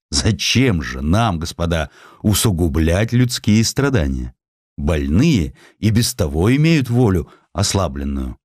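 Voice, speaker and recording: A man playing an opinionated, commanding nineteenth-century doctor lecturing his students in an emphatic, deliberate, didactic way for an audiobook. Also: sits low, darkish tone, dry recording, clean studio sound, full character voice.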